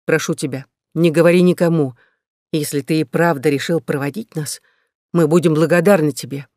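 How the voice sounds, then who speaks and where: A man's voice: on the high side, fairly even intonation, fairly quick, darkish tone, dry recording, studio quality, lightly acted. Man voicing an earnest young woman settler.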